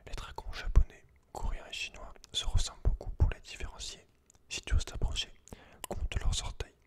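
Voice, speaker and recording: A man speaks in a breathy, unvoiced whisper, informal and close to the listener, as in an ASMR reading. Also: moderate pace. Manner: informal, slangy, talks directly to one listener. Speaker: ASMR creator. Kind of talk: whispered ASMR, casual commentary and reading aloud from a book.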